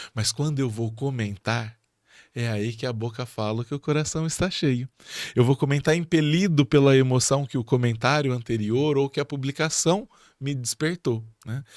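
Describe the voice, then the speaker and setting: A man speaks at a medium pitch with an interior São Paulo accent and ordinary pitch variation. The recording is very clean, with a silent background. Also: moderate pace, dry, close sound with no echo. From interior of São Paulo state, Brazil. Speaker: teacher and education speaker. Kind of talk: casual podcast conversation. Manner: storytelling, conversational.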